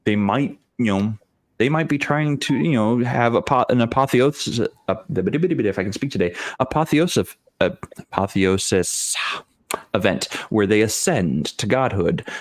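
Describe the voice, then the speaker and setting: A man in a casual tabletop gaming discussion, speaking as a game master and explaining things in a halting, rambling way with repeated phrases. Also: mid-range voice, lively intonation, dry recording.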